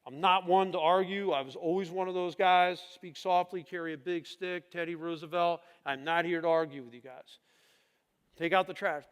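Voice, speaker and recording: A middle-aged male pastor preaches in a relaxed, conversational way, pressing his points with emphasis. He often turns to the congregation with rhetorical questions. His voice sits high, and it rings with the long reverb of a church hall. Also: moderate pace, clean tone. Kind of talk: conversational sermon. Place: church sanctuary.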